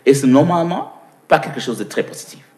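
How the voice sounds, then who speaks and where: A man's voice: a little high, lively intonation, fast talker, warm tone. A man from Cameroon with an English-speaking Cameroonian accent, answering interview questions at length. He often repeats words as he searches for them and asks himself questions before he answers. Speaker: interview guest.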